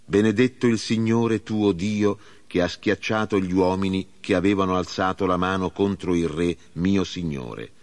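A man reading as an eager young messenger. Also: low-pitched. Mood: earnest. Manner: earnest, measured reading. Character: eager young male runner bringing news.

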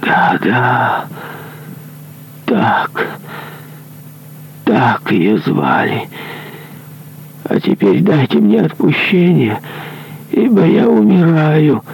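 A man's voice: sing-song, takes it slowly, vocal fry, warm tone, a little hiss or hum, full character voice, low-quality recording. A man voicing a dying, guilt-ridden executioner who pleads in a strained, raised voice for absolution. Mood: desperate terror. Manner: anguished, high-strained pleading.

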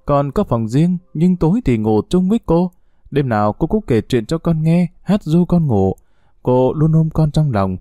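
A man's voice: on the high side, sing-song, moderate pace, warm tone, no room sound, pitched above the performer's own voice. Man doing a tearful homesick little girl. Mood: tearful pleading.

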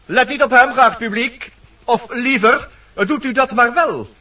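An actor playing a fussy, officious woodpecker master of ceremonies in a Dutch radio play, formal, pompous and easily exasperated. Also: male voice, extremely high pitch, unhurried, recorded from a distance, highs cut off, background noise.

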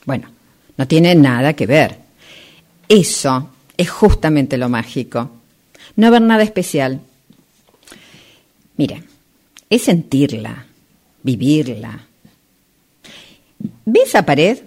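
A woman in an amateur radio play acting a smooth-talking, insistent female real estate agent, with theatrical dramatic pauses. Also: sits low, sing-song, a little mellow, full character voice.

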